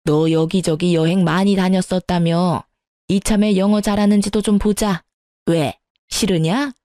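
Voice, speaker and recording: A domineering older mother-in-law, voiced by a woman storyteller, who orders people about and scoffs at refusals. Her voice is mellow and rounded, recorded dry and close with no room sound. It is radio-story telling, not a fully transformed character voice. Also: fairly low pitch, steady tone, unhurried, no echo, close to an everyday voice. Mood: scornful. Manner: bossy, condescending. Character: pushy older mother-in-law, demanding and scornful.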